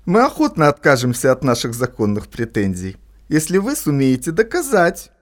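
An actor playing a formal, stiff chief port official who speaks with bureaucratic politeness. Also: male voice, medium pitch, wildly swooping pitch, moderate pace.

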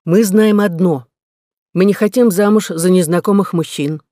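A man's voice: high-pitched, moderate pace, dark tone, dry recording, studio quality, natural voice. A man voicing a determined young woman settler, speaking earnestly and persuasively.

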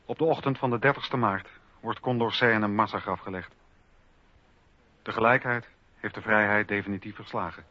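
A man narrating a scripted radio documentary in a measured, formal storytelling manner on a lo-fi recording. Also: on the low side, fairly even intonation, dry recording.

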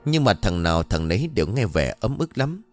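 A man narrating a scripted ghost story in an expressive storytelling manner. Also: fairly low pitch, fairly quick. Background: faint background music.

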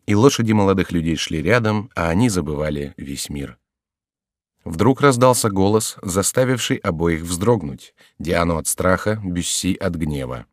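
Male audiobook narrator, deep and dry, measured dramatic delivery. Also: animated, no echo. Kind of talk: scripted literary narration.

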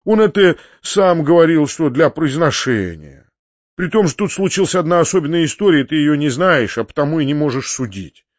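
Fussy older landowner, flustered and pleading, read by a man, high, dry muffled audiobook. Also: animated, dry recording, lightly acted. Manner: flustered, pleading, quick-talking. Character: fussy, kindly older male landowner uncle. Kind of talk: audiobook character reading.

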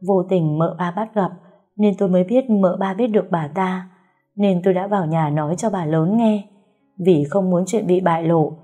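A woman's voice: lowish voice, warm tone, slightly rough. A woman voicing a trembling servant woman. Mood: pleading. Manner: trembling, stammering. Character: frightened female household servant confessing.

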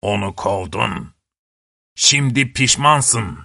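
A man voicing a wise old male frog in a fairy tale, speaking slowly, hushed and grave. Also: on the low side, creaky, no room sound, clean studio sound, exaggerated voice.

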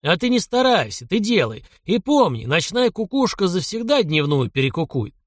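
Gruff, commanding old count in his seventies, read by a man, blunt and teasing, with a lively rise and fall in his voice. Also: high voice, moderate pace, dry recording, clean studio sound, voice pushed up. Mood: gruff bossy. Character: gruff 75-year-old count, domineering bossy grandfather.

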